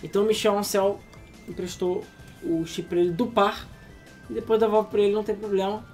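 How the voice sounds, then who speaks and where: A man chatting casually about games at a fast clip, sleepy and loose. He rambles and swears freely. Faint music plays under his voice. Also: high-pitched, little pitch movement, darkish tone. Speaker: podcast co-host. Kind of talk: casual gaming news chat.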